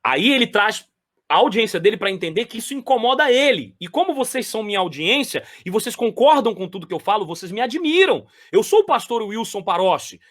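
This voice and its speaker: A man reacts to lecture clips, addressing his viewers directly. His voice sits high and swings widely as he stresses and repeats phrases. The sound is dry and close, with no room around it. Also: big pitch swings, fairly quick, fairly bright tone, dry recording. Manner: emphatic, repeats phrases, talks straight to viewers. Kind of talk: commentary on replayed lecture clips.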